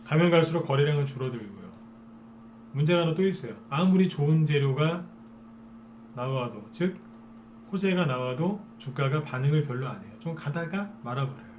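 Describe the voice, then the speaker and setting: A man's voice: fairly high pitch, animated, normal speed, a little mellow, a little hiss or hum. A man giving a live stock trading lecture as a broadcaster, persuading viewers and often asking them to agree.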